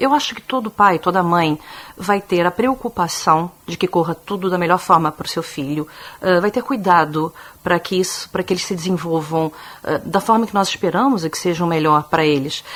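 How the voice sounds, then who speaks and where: Fairly low in pitch, a woman speaks with a Brazilian accent. She keeps a moderate pace and ordinary pitch variation. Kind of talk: conversational, explanatory.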